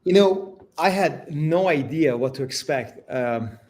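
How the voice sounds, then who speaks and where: A man from Iran, a guest in an interview, answering in a reflective, halting way with many fillers. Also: a little high, expressive, darkish tone. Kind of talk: interview conversation.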